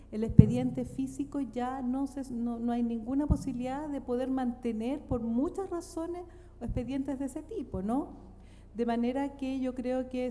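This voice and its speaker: A woman's voice: fairly high pitch, dark tone. A middle-aged Chilean woman speaking emphatically and explaining her view as a panelist at a seminar. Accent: Chilean Spanish. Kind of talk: panel discussion answer. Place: large auditorium. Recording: reverberant hall, background noise.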